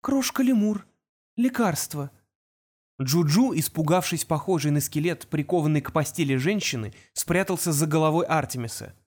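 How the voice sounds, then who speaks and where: A woman narrating an audiobook with an even, storytelling delivery. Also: deep voice, a little fast, few pauses. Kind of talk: scripted narration.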